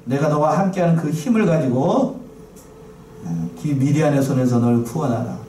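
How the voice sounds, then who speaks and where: A man's voice: on the high side, lively intonation, normal speed, warm tone. A male pastor preaching a sermon in a church, often putting questions to the congregation and repeating key phrases. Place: church sanctuary. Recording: roomy, distant, faint noise.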